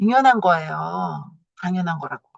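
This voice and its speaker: The sound is dry and close, with no echo. A woman speaks at medium pitch, somewhat breathy. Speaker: study group leader teaching anatomy. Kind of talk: study session lecture. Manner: animated.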